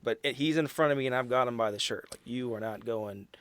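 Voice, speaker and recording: A man chatting casually as a tabletop game player, halting and wisecracking as he slips into character. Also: mid-range voice, a bit bright, smooth, dry recording.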